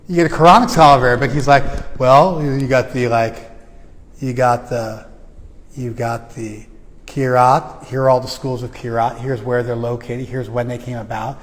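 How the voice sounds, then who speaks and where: A man's voice: medium pitch, steady tone, normal speed. A man teaching a class in a loose, conversational way, with joking asides and plenty of fillers. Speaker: spiritual teacher. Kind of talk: informal class lecture. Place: class venue with reverb. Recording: long hall reverb.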